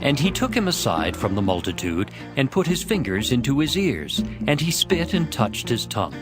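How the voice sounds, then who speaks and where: A man narrating a dramatized scripture reading in a measured, formal manner. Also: medium pitch, sing-song. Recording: music under the voice.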